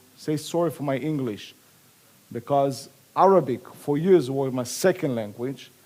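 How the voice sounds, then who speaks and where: A man with an Israeli accent speaks at a moderate pace. His tone is dark and mellow, with ordinary pitch variation. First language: Hebrew. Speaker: retired army officer. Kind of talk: lecture. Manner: halting.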